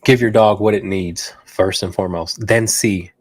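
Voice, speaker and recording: A man's voice: deep voice, fairly even intonation, moderate pace, no room sound, clean studio sound. A man hosting a live dog-training Q&A, talking emphatically and urging his listeners on. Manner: emphatic, exhorting, rising to near shouts. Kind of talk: live stream Q&A talk.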